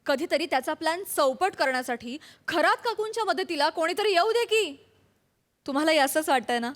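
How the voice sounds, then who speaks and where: High-voiced Marathi woman announcer. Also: expressive, brisk. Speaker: show presenter. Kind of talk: scripted show introduction.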